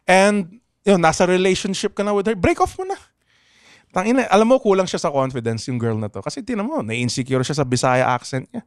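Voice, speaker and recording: A man's voice: sits high, expressive, fairly quick, hardly any pauses, smooth, no room sound, studio quality. A young man with a Pangasinan accent hosting a comedy podcast, reading listener letters with a lot of swearing and laughter. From Philippines. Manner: swears freely, laughs often, code-switches. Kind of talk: casual comedic podcast chat.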